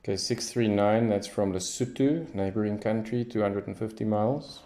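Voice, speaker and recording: Low, gravelly man reviewing gadgets. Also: steady tone, moderate pace, dark tone. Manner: unscripted, thinking aloud while testing. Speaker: radio hobbyist reviewer. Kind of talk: casual hands-on gadget commentary.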